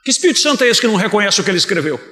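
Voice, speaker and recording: A Brazilian man delivers a fiery sermon in a high, bright voice. He tells his stories with passion and breaks into shouting at times. The church hall around him rings with a long echo. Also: sing-song, racing. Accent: Brazilian Portuguese. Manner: impassioned, storytelling, bursts into shouting. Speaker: pastor.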